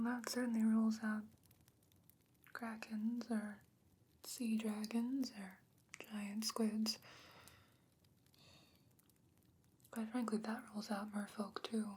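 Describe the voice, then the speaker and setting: Whispering, thoughtful sorceress played by a woman, background noise. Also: fairly high pitch. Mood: pondering. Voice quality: breathy, whispery, hushed. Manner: measured, gentle, pondering with pauses. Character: thoughtful fantasy sorceress, learned in sea creatures. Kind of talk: soft-spoken ASMR fantasy roleplay.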